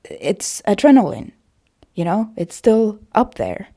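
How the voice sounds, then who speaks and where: A woman talking in a casual personal vlog style, with a creaky voice and a hesitant, self-conscious, rambling manner. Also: medium pitch, very animated, takes it slowly, warm tone. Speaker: voice actor vlogger.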